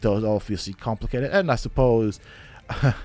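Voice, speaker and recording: There is music in the background. A man is speaking. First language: not English. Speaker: gaming YouTuber. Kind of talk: casual talk to camera.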